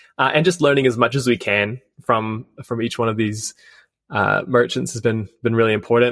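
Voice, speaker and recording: This man speaks with a New Zealand accent at a moderate pace. His pitch is medium, with ordinary variation. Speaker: startup founder. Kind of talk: interview. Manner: casual, filler-heavy.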